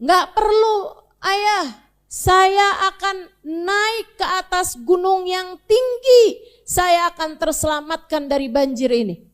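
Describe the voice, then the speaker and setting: A woman's voice: very high-pitched, slow pace, voice pushed up. A woman preacher voicing a stubborn young man who refuses his father's plea. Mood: defiant. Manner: stubborn, dismissive.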